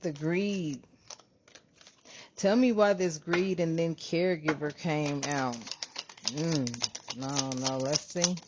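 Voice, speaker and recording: A woman host giving a casual spiritual reading, animated and profane, calling her viewers family. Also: low voice, slow, pauses often, dull audio, background noise. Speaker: spiritual reader, channel host.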